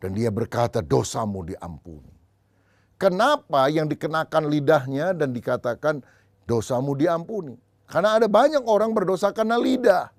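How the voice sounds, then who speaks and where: A man's voice: big pitch swings, moderate pace, no echo, clean studio sound. A man preaching a sermon, telling humorous stories and acting out the voices in the dialogue. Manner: storytelling, acting out dialogue with shifting pitch. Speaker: pastor.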